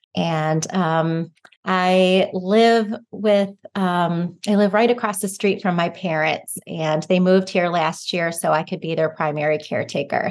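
A woman speaks in an ordinary speaking voice. Her pitch is fairly low. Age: 40s. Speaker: movement and meditation teacher. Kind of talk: casual interview.

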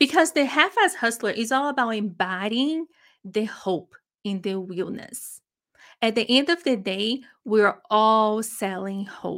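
With a Portuguese accent, a woman speaks fairly slowly at a fairly high pitch, her tone animated and her intonation lively. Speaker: business coach and podcast host. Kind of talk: solo motivational podcast talk. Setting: home recording, video podcast.

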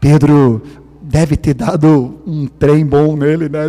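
Speaking very slowly with a Swedish accent, a man with a fairly high voice comes through over noticeable background noise. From Sweden. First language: Swedish (speaking Portuguese). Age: 60s. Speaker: pastor. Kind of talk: sermon.

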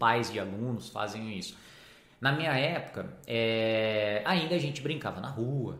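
There's audible room echo as a man speaks. He talks at a fairly slow pace with a medium pitch. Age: 30s. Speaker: primary school teacher. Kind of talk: live online class, conversational. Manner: halting, many fillers and restarts.

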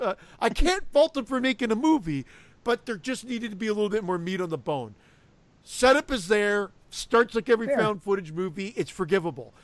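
This man's voice is high in pitch, with lively intonation. He moves at a fairly quick pace. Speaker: co-host. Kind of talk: casual joking banter.

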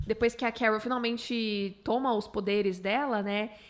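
A woman's fairly high voice with fairly even intonation, a normal speaking voice, on a very clean recording with a silent background. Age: 20s. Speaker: podcast host. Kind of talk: casual chat.

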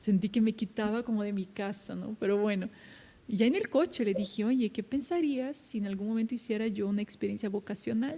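A woman's fairly high, somewhat breathy voice with a dark, mellow tone, ordinary pitch variation and a fairly quick pace. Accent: Brazilian. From Brazil. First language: Portuguese (speaking Spanish). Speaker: consecrated religious woman, youth minister. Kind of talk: testimony.

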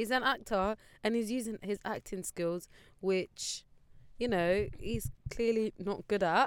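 In a London accent, a woman talks at a fairly slow pace, her pitch fairly high and her intonation fairly even. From London, Camden. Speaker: podcast guest. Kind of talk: casual chat. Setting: home studio.

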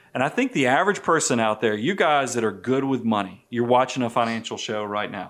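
In a very clean recording with a silent background, a man with an American accent talks at a very fast pace, with a medium pitch and ordinary pitch variation. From US South. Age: 40s. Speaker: financial advisor and podcast host. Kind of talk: casual chat. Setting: studio. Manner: animated.

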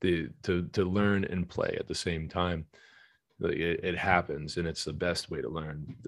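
Very deep, low pitch from a man with an American accent, fairly even intonation and a fairly slow pace. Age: 30s. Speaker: podcast host. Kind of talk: casual chat.

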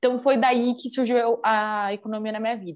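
A woman with an inland São Paulo accent on a very clean recording with a silent background. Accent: Brazilian inland São Paulo. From Mato Grosso do Sul, raised in interior São Paulo. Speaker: economist, investor relations professional. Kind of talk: podcast interview. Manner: animated.

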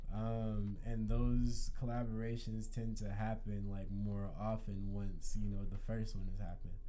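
The speaker talks with an American accent at a fairly slow pace with hardly any pauses, over noticeable background noise. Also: man. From Los Angeles (Mid City). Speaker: music producer and DJ. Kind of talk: casual chat.

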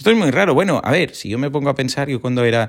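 On a very clean recording with a silent background, a man speaks. His pitch swings very widely. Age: 40s. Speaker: podcast host. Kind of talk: personal reflection monologue. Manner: casual, hesitant with repetitions.

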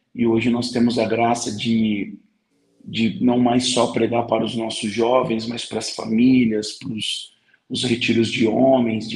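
A man speaks in a monotone, flat intonation. His pace is fairly slow. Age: 40s. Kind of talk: interview about faith and community life.

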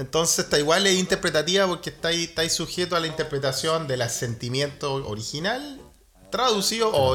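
A man with a Chilean accent, animated tone and ordinary pitch variation at a very fast pace, music in the background. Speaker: podcast host. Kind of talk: casual chat.

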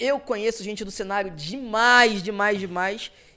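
A man's raised, projected voice, bright and sharp in tone and animated, at a moderate pace on a very clean recording with a silent background. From Rio de Janeiro state, Niterói. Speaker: esports commentator. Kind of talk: casual chat.

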